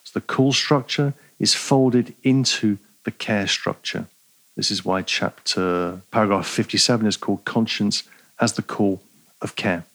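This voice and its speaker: Gravelly-voiced male philosophy lecturer. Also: fairly low pitch, fairly bright tone, low-quality recording. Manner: measured, digressive, with fillers and rhetorical "right?". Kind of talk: academic lecture.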